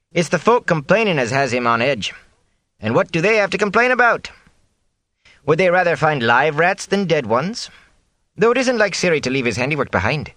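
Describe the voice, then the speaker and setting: A man voicing a sharp-tongued, plump female inn cook who scolds in a folksy dialect. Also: a little high, dry recording, pitched above the performer's own voice.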